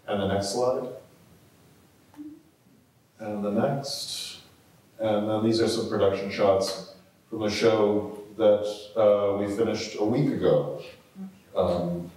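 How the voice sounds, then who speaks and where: A man leading a theatre panel discussion, talking in a relaxed, halting way with many fillers. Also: fairly low pitch. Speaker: theatre company leader moderating a panel. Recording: echoey hall, mic far off.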